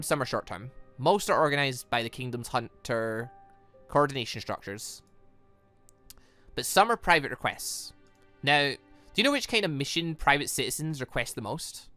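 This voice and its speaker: A man's voice: medium pitch, sharp tone. Man reading as a serious, guarded young huntress. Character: serious, guarded young female monster hunter. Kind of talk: visual novel dialogue reading.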